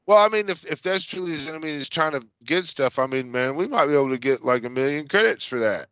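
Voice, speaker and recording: A man's voice: a little high, animated, fast, pushed and bright, clean tone, no room sound, muffled recording. A man playing a tabletop game, talking in rambling casual bursts and swearing freely. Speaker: player.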